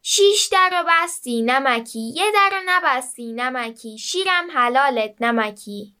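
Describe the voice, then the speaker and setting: A woman's voice: high voice, expressive, pushed and bright, clean tone. A woman voicing a worried mother in a children's story who repeats a sing-song refrain. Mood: fretful.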